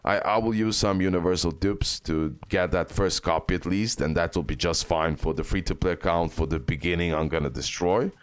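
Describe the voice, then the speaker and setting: Deep voiced guy doing casual game tips, really drives his points home, roomy echo, bit of music behind. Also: a little fast, few pauses, smooth. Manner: emphatic, repetitive, with frequent check-in tags. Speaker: gaming video host. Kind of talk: casual advice commentary on a mobile game.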